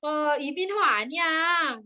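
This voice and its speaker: A woman's voice: extremely high pitch, lively intonation, very fast, pushed and bright, pitched above the performer's own voice, full character voice. A woman playing a young woman who insists to her mother that she will not marry the man chosen for her. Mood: insistent.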